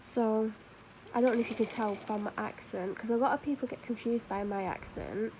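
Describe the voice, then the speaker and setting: Chatty Mancunian woman, gravelly voice. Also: a little high, moderate pace, warm tone, slight background noise, low-quality recording. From Manchester, England. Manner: chatty and rambling, many fillers and self-corrections. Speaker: vlogger. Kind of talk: casual chat while doing makeup.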